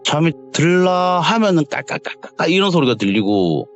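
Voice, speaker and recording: A young man, casually telling a true ghost story in a quietly dramatic, conversational way. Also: medium pitch, very animated, normal speed. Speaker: guest storyteller. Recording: lo-fi audio with faint music.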